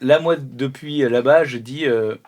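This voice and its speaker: A woman's voice: extremely low pitch, moderate pace, darkish tone. A woman bantering playfully as a player in a tabletop game.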